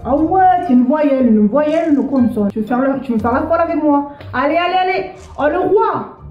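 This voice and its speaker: A woman voicing an angry father scolding his disobedient daughter, shrill and comic. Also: lively intonation, a little fast, echoey room, muffled recording, faint music behind.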